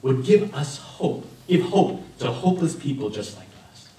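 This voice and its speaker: A pastor in his thirties preaches in a church sanctuary, telling a story in a chatty, animated way. His mid-pitched voice carries through a heavily echoing room. It is picked up from a distance, away from the mic. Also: moderate pace. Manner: animated, conversational, gesturing at a lectern. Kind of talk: sermon with personal story. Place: church sanctuary with stained glass, indoors. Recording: very echoey room from far off.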